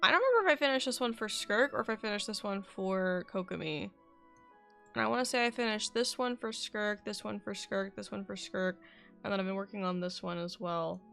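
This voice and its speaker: A young woman chats casually while streaming a game. Her voice is mid-pitched with plenty of fry, and she rambles as she thinks aloud. Game music plays softly behind her. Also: brisk. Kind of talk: casual live gameplay commentary.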